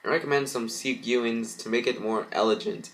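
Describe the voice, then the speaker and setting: A man's voice: mid-range voice, steady tone, normal speed, fairly bright tone, a little hiss or hum, lightly acted, poor audio. A man voicing a kindly, encouraging woman fashion designer in a cartoon fan story.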